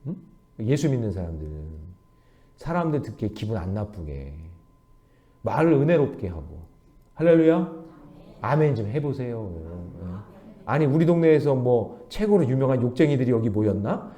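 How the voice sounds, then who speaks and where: A man's voice: mid-range voice, big pitch swings, normal speed, warm tone. A male pastor preaching an early morning sermon, often asking the congregation questions and leading them in reading verses aloud.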